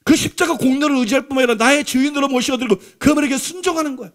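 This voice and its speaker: Very high-voiced male pastor preaching. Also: very fast, a bit bright. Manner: emphatic, repeats points and asks the congregation rhetorical questions. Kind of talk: Sunday sermon. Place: church sanctuary.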